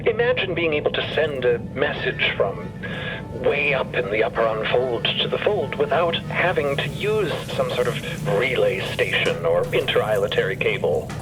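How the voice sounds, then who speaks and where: A man playing a thoughtful, courteous professor who talks formally and haltingly in an audio drama. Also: medium pitch, sing-song, lightly acted. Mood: thoughtful, hopeful. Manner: formal, measured, halting between phrases. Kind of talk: narrative fiction podcast acting. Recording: dull sound under music bed.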